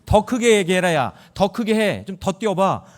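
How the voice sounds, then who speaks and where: A man's voice: high-pitched, sing-song, normal speed, voice pushed up. A man voicing a mocking male prophet who taunts his rivals. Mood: taunting. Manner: taunting, shouting orders.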